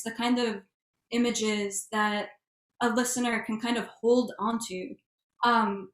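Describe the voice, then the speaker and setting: A woman's voice: mid-range voice, fairly bright tone. A woman speaking as a writer on a discussion panel, in a reflective, exploratory way. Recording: echoey room sound.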